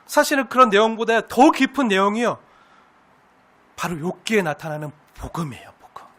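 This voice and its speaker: A male pastor delivering a sermon in a high voice that sits well above most men's. His tone is bright and forceful, and he preaches earnestly, leaning on heartfelt rhetorical questions. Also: very animated, a little fast.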